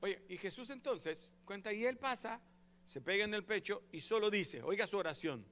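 A man preaching a sermon as pastor, lively and acting out the prayers he describes. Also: sits high, normal speed. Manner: animated, acts out quoted prayers and voices.

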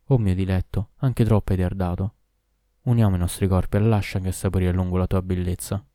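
A man's voice: sits low, flat delivery, brisk, mellow, no echo, clean studio sound, lightly acted. A man reading aloud who gives the lines of an eager young bride, in an impassioned way. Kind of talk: audiobook reading.

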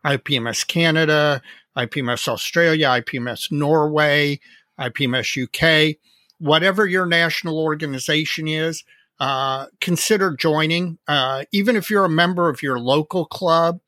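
A man co-hosting a hobby podcast, earnest and friendly as he rambles along with fillers. His voice is fairly high and strikingly bright. It is recorded close and dry. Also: moderate pace, no room sound. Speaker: podcast co-host. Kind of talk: casual podcast chat.

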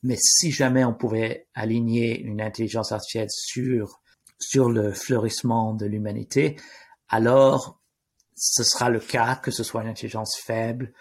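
Male interview guest, non-native French with foreign accent, fry-laden voice, hesitant unscripted explainer who restarts and rephrases. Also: medium pitch, flat delivery. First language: not French. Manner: halting, searching for words, repeating and rephrasing. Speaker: interview guest, AI risk expert.

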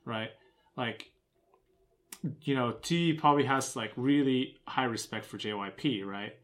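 A man's voice: medium pitch, measured pace. A young American man chatting casually as a co-host, leaning on fillers like "like" and "right?". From United States. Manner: filler-heavy, keeps asking "right?". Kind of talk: casual chat.

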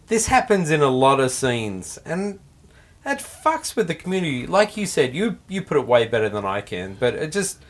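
Profane, excitable man chatting. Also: fairly high pitch, normal speed. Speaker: podcast co-host. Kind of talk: casual chat.

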